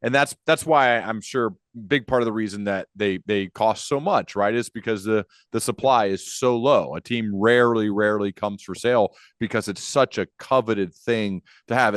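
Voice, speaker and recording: A man's voice: on the low side, a bit bright, no room sound, clean studio sound. A man hosting an interview podcast, speaking casually and informally, rephrasing as he goes.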